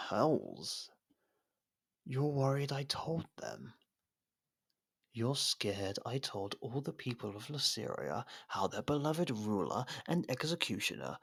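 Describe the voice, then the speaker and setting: An actor playing a proud, defiant captured royal in an ASMR roleplay, speaking in a haughty, halting, dramatic way. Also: male voice, lowish voice, vocal fry, a bit bright, slightly rough, full character voice. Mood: bewildered, exasperated, then mocking, triumphant.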